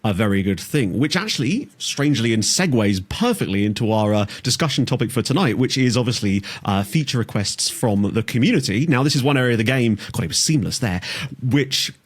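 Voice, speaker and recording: A man's voice: mid-range voice, animated, fairly quick, few pauses, slightly rough. A man hosting a podcast in casual chat, playful and wordy, with jokey asides. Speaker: podcast co-host.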